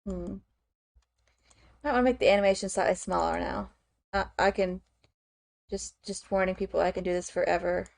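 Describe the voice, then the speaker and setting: A woman's voice: medium pitch, fairly even intonation, moderate pace, creaky, pauses often, a little mellow, no echo. A woman streamer chatting casually as she works, thinking aloud with frequent fillers and "okay"s. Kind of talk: casual chat while working on screen.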